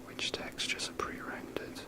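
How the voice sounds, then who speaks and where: A man whispers ASMR video game commentary in a rambling, wry, sweary manner, close to the microphone. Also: unhurried. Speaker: video game streamer making ASMR gameplay.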